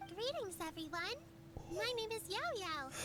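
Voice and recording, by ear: Over loud background noise, a woman puts on a squeaky character voice at an extremely high pitch. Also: moderate pace.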